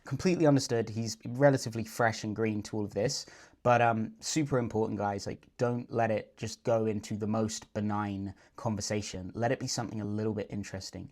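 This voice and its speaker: A man's voice: fairly low pitch, fairly even intonation, a little fast, darkish tone. A man working as a dating coach, confidently explaining and breaking down a client's approach. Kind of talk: video breakdown commentary.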